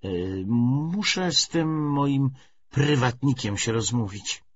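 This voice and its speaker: A man voicing a brisk, wry, self-assured young communist woman in an audiobook novel, talkative with a feigned lightness. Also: medium pitch, animated, dull audio, a little hiss or hum, voice pushed up. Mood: forced lightness.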